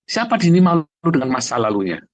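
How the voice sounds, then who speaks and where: A male pastor talks at a quick pace in a slightly high, sing-song voice, and the recording is dry. It's a conversational livestream sermon where he's blunt and emphatic, speaking directly to listeners and asking rhetorical questions.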